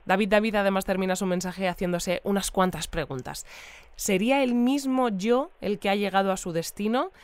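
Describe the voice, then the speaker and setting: An actress playing a courteous, measured female radio interviewer who reads out listeners' messages in a conversational audio drama. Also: mid-range voice, dry recording, natural voice. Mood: polite, attentive. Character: polite female radio interviewer in a futuristic community.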